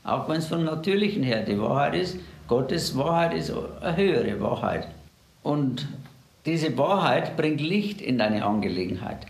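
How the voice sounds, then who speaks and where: A man's voice: on the high side, lively intonation, measured pace, creaky, reverberant. A man preaching a sermon, earnestly addressing the listener directly.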